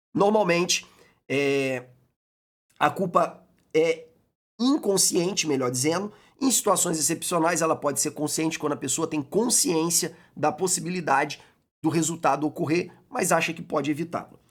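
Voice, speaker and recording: A man speaks at a fairly high pitch with ordinary pitch variation. He leaves long, frequent pauses. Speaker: law exam prep teacher. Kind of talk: online lecture. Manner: fast; casual, conversational.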